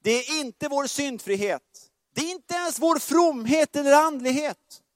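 A man with a fairly high voice preaches with lively swings between booming exclamations and hushed, slow lines. He keeps putting questions to his listeners, and the sound is dry and close. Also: no echo. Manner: animated, swings between loud exclamations and soft slow phrases; asks the congregation questions and jokes. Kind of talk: sermon.

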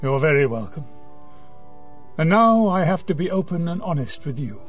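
An actor playing an earnest, gently admonishing Catholic priest in an audio drama, with a measured, counseling manner. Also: male voice, fairly high pitch, sing-song, faint music behind. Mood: gentle, pastoral.

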